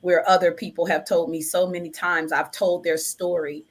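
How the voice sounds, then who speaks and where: A woman's voice: on the low side, level tone, normal speed. A woman artist chatting casually as a guest in an informal, enthusiastic way. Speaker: recording artist, poet, guest. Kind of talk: casual chat.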